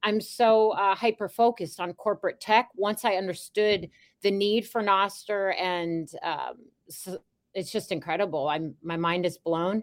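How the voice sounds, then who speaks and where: The recording is very clean with a silent background and a dry, close sound with no echo. A woman speaks at medium pitch with ordinary pitch variation. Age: 40s. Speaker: human rights advocate. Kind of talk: casual chat.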